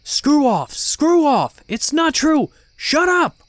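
A guilty, frightened father acted by a male narrator, his voice pushed high and loud. He is agitated, defensive and pleading, as in a dramatic horror audiobook, recorded very dry. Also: sing-song, slow, dry recording, heavily acted. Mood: enraged denial.

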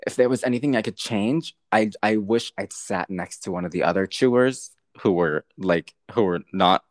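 A young man chatting casually and telling a story, with lively, swearing storytelling and frequent laughs. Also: on the low side, normal speed, dry recording, clean studio sound.

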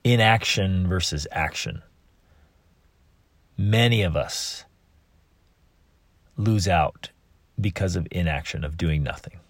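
A man's voice: sits low, takes it slowly, long pauses, dry recording. A man hosting a motivational monologue, earnestly asking the listener rhetorical questions and often repeating and restarting words. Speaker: podcast host.

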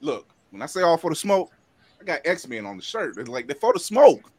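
A man's voice: a little high, sing-song, fairly quick, no echo. A man on a podcast panel, talking in a boastful, playful way. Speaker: podcast co-host. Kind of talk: casual podcast chat.

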